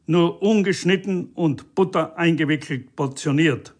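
A man reading an audiobook and voicing a pompous, shouting male EU police officer who barks orders in a raised, high voice. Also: measured pace. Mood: barking, officious. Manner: bellowing, officious, self-important.

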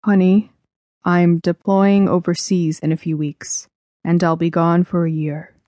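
A serious middle-aged military father, as a woman narrator reads him in an audiobook. The delivery is tender, regretful and measured. The sound is close and dry. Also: fairly low pitch, flat delivery, mellow, no room sound, close to an everyday voice. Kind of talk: audiobook character dialogue.

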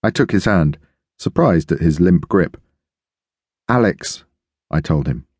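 Deep, dry male narrator, steady first-person audiobook reading. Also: breathy edge, no room sound. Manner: measured, steady storytelling.

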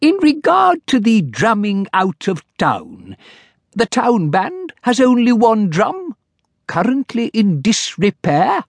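A man's voice: high-pitched, wildly swooping pitch, slow pace, vocal fry, no echo, studio quality, pitched above the performer's own voice, full character voice. A man voicing a timid, pedantic little male town clerk who speaks apologetically and fussily. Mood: apologetic.

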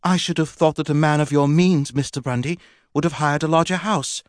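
A man's voice: on the high side, steady tone, a little fast, no echo, clean studio sound, pitched above the performer's own voice, natural voice. A man playing a haughty old dowager. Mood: disapproving. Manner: imperious, disapproving. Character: haughty older aristocratic dowager.

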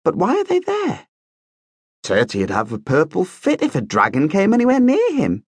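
A man puts on an eager teenage prince with a lifted, springy voice that jumps all over. He chatters breathlessly, full of excitement. A dry, close storybook reading. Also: mid-range voice, a little slow, husky, dry recording, voice pushed up. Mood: delighted.

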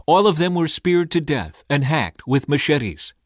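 Guy doing a feisty old tribal grandma, blunt and flat-toned, lifted pitch, audiobook read. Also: measured pace, no room sound, studio quality. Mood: matter-of-fact. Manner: blunt, matter-of-fact.

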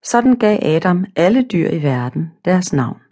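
Calm, slightly husky woman reading a story. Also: fairly low pitch. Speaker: audiobook narrator. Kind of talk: scripted storybook narration.

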